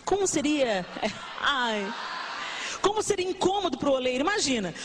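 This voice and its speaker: A Brazilian woman preacher delivering a lively sermon to a congregation, with a broadcast church-service feel. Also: high voice, moderate pace, background noise. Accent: Brazilian Portuguese. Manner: animated, acts out complaining believers in mock voices.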